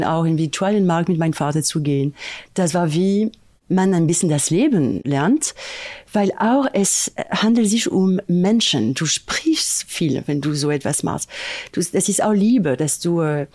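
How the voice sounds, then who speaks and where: A middle-aged woman with a French accent talks in a casual interview, often pausing to find her German words. Her voice is mellow and slightly low. The recording is dry and close. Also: no room sound. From France. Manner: halting, searching for German words. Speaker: fragrance design manager.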